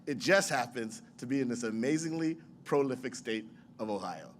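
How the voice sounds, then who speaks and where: A man's voice: medium pitch, animated, normal speed, slight background noise. A man who heads a science museum, delivering a rousing, storytelling ceremonial speech.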